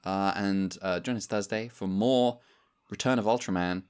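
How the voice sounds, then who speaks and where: Low-voiced laid-back podcast co-host. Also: male voice, normal speed, clean tone. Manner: loose, meandering sign-off delivery. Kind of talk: casual chat.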